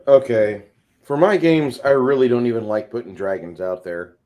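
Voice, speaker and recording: A man's voice: mid-range voice, normal speed, a little mellow. A man chatting informally as a panelist and game master in a group discussion. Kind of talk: casual chat.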